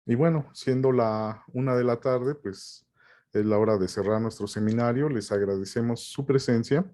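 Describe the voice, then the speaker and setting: Man with a mellow voice, Mexican Spanish. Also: mid-range voice. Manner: probing, measured. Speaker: professor hosting the seminar. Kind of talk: academic questioning and closing remarks. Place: home, on a video call. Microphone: video call.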